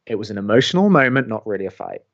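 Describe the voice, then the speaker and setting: A man's voice: lowish voice, sing-song, racing, vocal fry, highs cut off, full character voice. A man playing a sardonic, protective young college radio co-host in an audio drama, with a dry, sarcastic manner. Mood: dry, wry.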